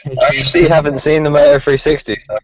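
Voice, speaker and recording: A man's voice: on the high side, fairly even intonation, fast, noisy background. A man co-hosting a livestream over an internet call. He gives brief, laid-back replies, and his mic is peaking, clipping and breaking up. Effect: clipping, peaking, breaking-up mic audio. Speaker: co-host on a livestream. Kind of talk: casual chat. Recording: dull, lo-fi, dry call audio.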